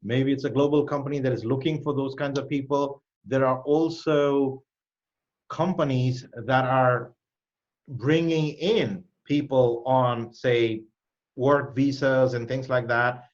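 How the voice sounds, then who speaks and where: A man hosting a live online question session speaks directly and with emphasis, his pitch jumping up on key points. His voice sits in the middle range and comes through slightly dull video call audio. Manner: direct, emphatic advice, with quick lively pitch lifts. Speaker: host and cybersecurity educator.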